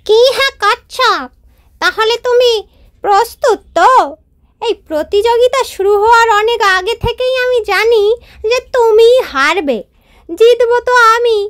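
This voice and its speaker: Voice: extremely high pitch, expressive, unhurried, fairly bright tone, heavily acted. A performer voicing a boastful, overconfident hare in a children's cartoon, talking in a smug, mocking way. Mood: smug, taunting. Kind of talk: children's moral-story cartoon dialogue.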